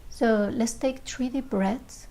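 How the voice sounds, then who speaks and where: A woman leading a guided meditation, speaking slowly and gently in short phrases with long pauses, sometimes dropping to a soft near-whisper. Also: fairly high pitch.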